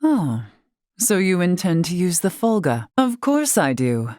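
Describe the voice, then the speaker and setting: Brief: dignified older female tribal chief in a fantasy game. Low register, stately old-fashioned phrasing, dry studio sound. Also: sing-song, a little mellow, dry recording. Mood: calm, explanatory. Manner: formal, archaic, measured, stately diction. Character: dignified older woman, wise tribal leader and warrior. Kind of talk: scripted video game voice acting.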